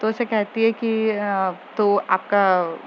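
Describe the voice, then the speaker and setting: A woman's voice: medium pitch, steady tone, slow pace. A woman casually retelling a romantic story scene by scene, quoting the characters' lines, with frequent fillers. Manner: chatty, retells scenes with quoted dialogue and fillers. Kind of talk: casual spoken story recap. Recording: dull lo-fi audio with faint noise.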